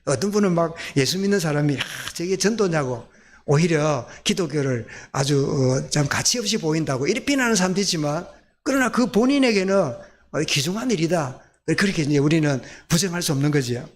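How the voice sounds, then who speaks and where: A man's voice: on the high side, lively intonation, brisk. A male pastor with a Gyeongsang accent preaching a sermon in a folksy way, often asking his congregation questions. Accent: Gyeongsang Korean.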